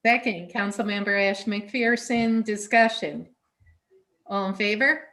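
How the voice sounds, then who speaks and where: A woman's voice: medium pitch, unhurried, fairly bright tone. A woman chairing a council meeting over a video call, friendly and informal, with fillers like uh.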